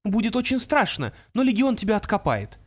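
A man doing a calm teenage boy genius. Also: high voice, pitched above the performer's own voice. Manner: calm, measured. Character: cool-headed teenage boy genius, hurt but calm. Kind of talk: audiobook character voice.

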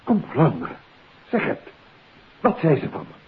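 Defensive male suspect, lively intonation, hesitant, formal, 1950s radio drama, tinny hissy recording. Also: on the high side, normal speed. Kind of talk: 1950s Dutch radio play acting.

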